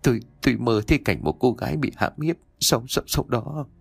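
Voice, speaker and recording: A man's voice: medium pitch, moderate pace, slightly rough, no room sound, faint music behind, natural voice. A man voicing a frightened middle-aged wife who pleads and stammers tearfully, in a raised voice.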